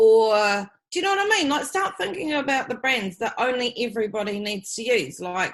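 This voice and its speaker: Speaking in a New Zealand accent, a woman with a high pitch and very wide pitch swings talks at a moderate pace with hardly any pauses. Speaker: business consultant. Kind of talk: casual chat. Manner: animated.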